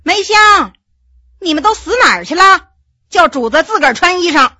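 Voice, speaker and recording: A woman's voice: high voice, big pitch swings, a little slow, fairly bright tone, husky, dry recording, exaggerated voice. A woman voicing a coquettish young noble wife who teases and chides her husband in a storybook reading. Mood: scolding. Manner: coquettish, scolding, chatty.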